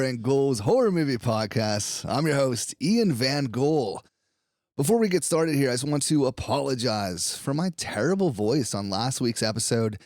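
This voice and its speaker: A man's voice: mid-range voice, a little mellow, no echo, studio quality. A man hosting a horror podcast in casual chat, upbeat, laughing often and swearing freely. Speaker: podcast host.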